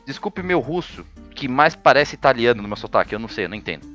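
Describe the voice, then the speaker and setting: Man, history host, scripted narration, ironic asides, animated pitch, faint background music. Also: fast talker.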